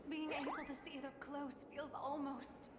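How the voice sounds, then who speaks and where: A woman's voice: high-pitched, level tone, moderate pace, lightly acted. A woman playing an awestruck, apologetic female fan in a video game, with a dreamy delivery. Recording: echo, very noisy game audio.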